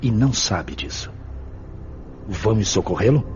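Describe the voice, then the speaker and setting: An actor playing a benevolent, calm spirit mentor who instructs others in a radio drama, with a Brazilian accent. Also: male voice, lowish voice, unhurried. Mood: gentle concern. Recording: dull sound, faint background noise.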